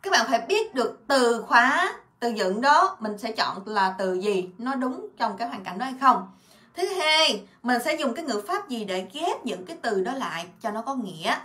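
A woman teaching a Korean grammar lesson in a casual way, explaining in Vietnamese and repeating Korean words and example sentences in quick bursts. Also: fairly high pitch, very animated, sharp tone, reverberant. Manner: refers to herself by her own name and as teacher.

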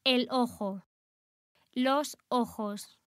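A woman reading short phrases slowly and clearly, repeating each one for language learners. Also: fairly high pitch, no room sound, studio quality. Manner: clear, careful, deliberate enunciation. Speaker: language teacher.

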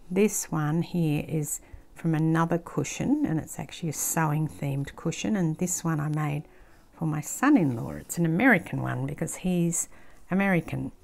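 An older woman with an Australian accent, casually thinking aloud as she works on a craft project, sometimes dropping into a soft near-whisper. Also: sits low, creaky. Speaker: craft channel host. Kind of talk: casual craft-along commentary. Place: indoor craft table, filmed from overhead.

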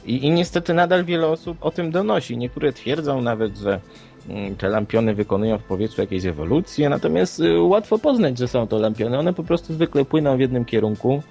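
A man's voice: medium pitch, animated, fairly quick, creaky, dark tone. A man co-hosting an unscripted podcast discussion, explaining things in a matter-of-fact, sceptical way. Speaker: podcast co-host. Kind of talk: unscripted paranormal news discussion. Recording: background music under the voice. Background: music.

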